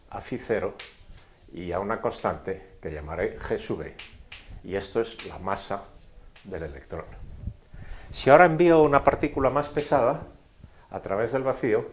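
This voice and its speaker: A man with a fairly low voice lectures on science at a board. He goes through each step deliberately, in a didactic way, and sets up his points with rhetorical questions. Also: breathy edge. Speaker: physics lecturer explaining at a board.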